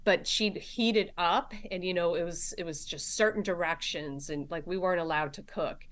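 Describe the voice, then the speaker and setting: A woman in her forties with a softened Boston accent, a podcast guest who tells family stories in a chatty way and laughs often. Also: fairly low pitch, normal speed. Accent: Boston, softened by years in Arkansas. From Massachusetts, Boston area. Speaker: guest, nurse practitioner. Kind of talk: casual storytelling chat.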